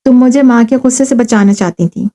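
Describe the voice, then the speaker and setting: Rabia, a woman reading a gentle modest girl. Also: fairly high pitch, lightly acted. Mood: earnest. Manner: soft, earnest.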